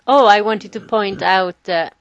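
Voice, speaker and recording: A woman co-hosting a language podcast, cheerful and quick to laugh. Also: mid-range voice, no echo, highs cut off. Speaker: podcast co-host, native speaker. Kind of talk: casual podcast talk.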